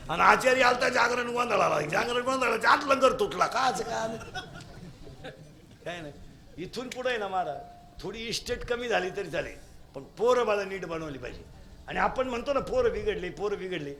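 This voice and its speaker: High, bright-voiced preacher. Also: male voice, normal speed, gravelly. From Maharashtra. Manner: lively, mocking, mimics people in their own voices. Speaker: kirtan preacher. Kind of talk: humorous devotional kirtan sermon.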